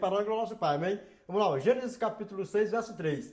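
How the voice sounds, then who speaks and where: A man speaks in a high voice with an animated tone and ordinary pitch variation. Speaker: preacher. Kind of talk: sermon.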